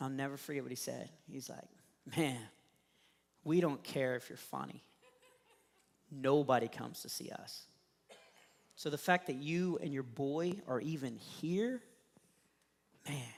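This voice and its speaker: Animated in tone, a man with a Texan accent and a fairly high pitch speaks at a moderate pace with ordinary pitch variation and long, frequent pauses. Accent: Texan American. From Texas. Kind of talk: stand-up.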